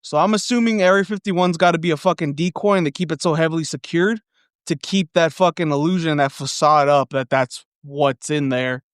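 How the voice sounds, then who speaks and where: Profane, excitable podcast co-host man. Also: fairly high pitch, a little fast, clean tone, no room sound, studio quality. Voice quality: occasional stutter and slight lisp when frustrated. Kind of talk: casual chat.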